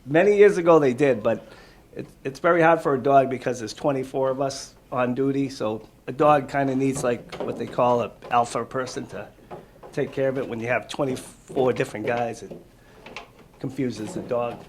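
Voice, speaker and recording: In a room with a small group of kids, a man speaking at medium pitch and normal speed reads a picture book as a firefighter, breaking off for casual remarks and simple explanations. Noise from the live room fills the recording.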